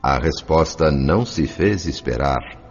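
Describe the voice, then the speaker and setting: A Brazilian actor playing a humble, compassionate spirit who narrates a dramatised audiobook in an earnest, literary and expressive manner. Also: male voice, very deep voice, a little slow, slightly rough, full character voice. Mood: compassionate, solemn. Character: André, compassionate male spirit narrator, humble, devoted helper. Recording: dull lo-fi sound with music. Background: background music.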